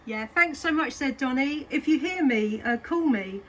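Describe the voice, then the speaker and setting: A woman from southeast England chats casually over CB radio, her high voice expressive at a moderate pace. The session carries clear radio static throughout.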